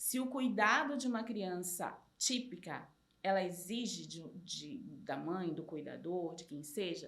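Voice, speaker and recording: A woman with an unremarkable speaking voice talks fairly slowly at a medium pitch, her intonation lively and her loudness swinging widely. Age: 40s. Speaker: journalist. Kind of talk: interview answer.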